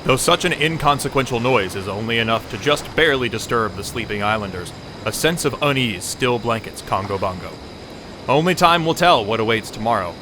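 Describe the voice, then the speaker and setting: A man's voice: medium pitch, lively intonation, a little fast, background noise, close to an everyday voice. A man narrating an audio drama in a composed, drily amused storytelling manner. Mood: composed, dry.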